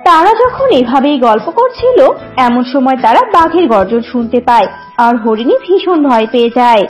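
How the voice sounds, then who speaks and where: High, lively woman storyteller. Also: moderate pace, soft background music, low-quality recording. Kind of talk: scripted children's cartoon narration.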